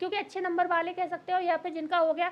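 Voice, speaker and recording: This woman's voice is extremely high. Her intonation is monotone and flat. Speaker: online educator for government job exams. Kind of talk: informational video talk. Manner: usually fast.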